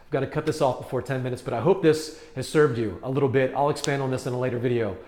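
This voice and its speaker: A man's voice: mid-range voice, fast talker, a little mellow. A man working as a coach, explaining ideas earnestly to the camera and repeating words as he thinks. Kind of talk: talking-to-camera teaching video. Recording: roomy echo.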